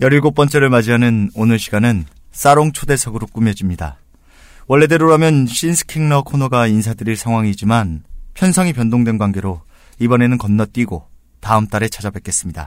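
This man has a plain, everyday voice at a medium pitch. His intonation is lively and his pace moderate. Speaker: podcast host. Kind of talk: scripted narration. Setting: studio.

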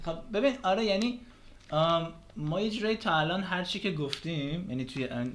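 Audible room echo surrounds this man. He talks at a very fast pace. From Iran, Karaj. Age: 20s. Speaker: university student. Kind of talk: casual chat.

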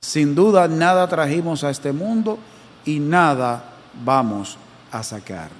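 Amid audible room echo, a man with a fairly high pitch speaks at a very slow pace, with lively intonation, big swings in loudness and long, frequent pauses. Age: 50s. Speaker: pastor. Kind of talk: sermon. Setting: church.

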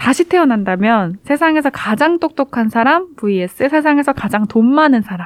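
A woman speaks at a high pitch with very wide pitch swings and a moderate pace. The sound is dry and close, with no echo. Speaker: journalist podcast co-host. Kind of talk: casual chat.

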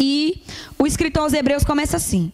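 Lively intonation marks a woman's speech against noticeable background noise. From Brazil, Rio de Janeiro. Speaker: pastor. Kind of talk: sermon.

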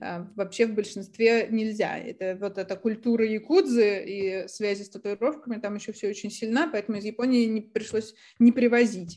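At a moderate pace, a woman speaks with a fairly high pitch, a dark, mellow tone and ordinary pitch variation against a quiet background. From Russia, Chuvashia. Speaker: newspaper editor and dairy industry official. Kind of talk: casual chat.

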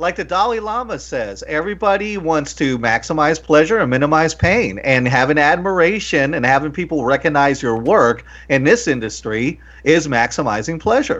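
A man speaks with a fairly high pitch and vocal fry. His pitch swings very widely, and there are hardly any pauses. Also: moderate pace. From Maryland, US. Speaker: podcast host. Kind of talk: casual chat.

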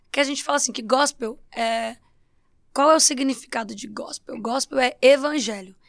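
On a very clean recording with a silent background, a woman with a high pitch talks at a moderate pace, her intonation fairly even but her loudness swinging widely. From Rio Grande do Sul, Brazil (Caxias do Sul). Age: 20s. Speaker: gospel singer and pastor. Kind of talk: casual interview chat.

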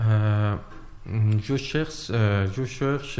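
The speaker has a non-native accent and ordinary pitch variation, with audible room echo around the voice. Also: man. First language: not French (speaking French). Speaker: job seeker. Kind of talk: casual chat.

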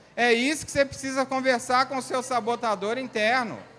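A man's raised, projected voice, extremely high-pitched, bright and sharp in tone, at a moderate pace. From Brazil. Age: 60s. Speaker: spiritual author and medium. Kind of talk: lecture.

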